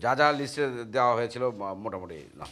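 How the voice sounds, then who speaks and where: An actor playing a flustered middle-aged husband who stammers and trips over words. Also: male voice, medium pitch, animated, quick pace, noisy background, close to an everyday voice.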